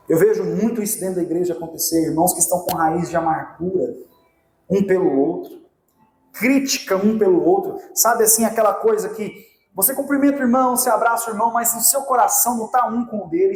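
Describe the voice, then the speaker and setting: High-voiced Brazilian pastor preaching. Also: male voice. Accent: Brazilian Portuguese. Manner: impassioned preaching, direct appeals to the congregation. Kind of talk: sermon. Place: church sanctuary. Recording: echoey church hall.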